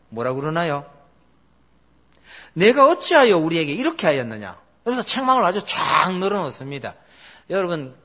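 A middle-aged pastor with a fairly high, breathy-edged voice preaches a sermon, telling stories with animation and putting questions to the congregation.

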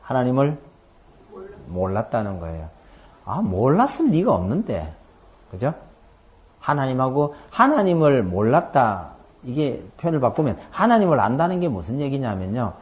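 A middle-aged man preaching a sermon as a pastor, telling stories and acting out dialogue with sudden loud outbursts. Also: mid-range voice, sing-song, normal speed.

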